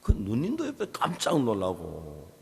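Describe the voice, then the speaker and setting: A male pastor gives a sermon in a gravelly voice, his pitch leaping high and dropping low as he tells a story. He acts out both sides of conversations. He swings between loud bursts and hushed, whispered asides. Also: wildly swooping pitch, a little slow. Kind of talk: sermon at a Bible seminar.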